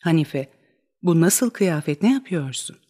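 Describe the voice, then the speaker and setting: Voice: mid-range voice, animated, measured pace, mellow, slightly rough. A reader voicing a fretful, devoted older wet nurse in a dramatic reading of a stage play, bewildered and fussing. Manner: bewildered and fussing, wringing out laments.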